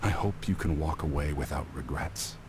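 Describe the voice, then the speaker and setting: A man voicing a solemn, gentle, ailing wanderer in a video game. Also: a bass voice, normal speed, noisy background. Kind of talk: English video game voice acting. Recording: game music behind. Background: game music.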